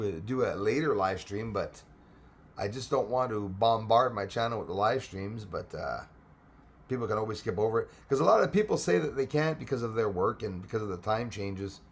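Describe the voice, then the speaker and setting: A man's voice: mid-range voice, fairly bright tone. Chatty Québécois man hosting a live stream. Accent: Québécois French. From Quebec. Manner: chatty, laughs often, switches between English and French. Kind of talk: casual live chat reading comments.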